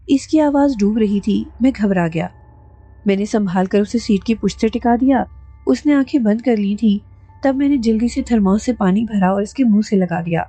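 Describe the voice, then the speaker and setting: A woman narrating a horror audiobook in a steady, dramatic storytelling manner. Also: mid-range voice, husky, no room sound.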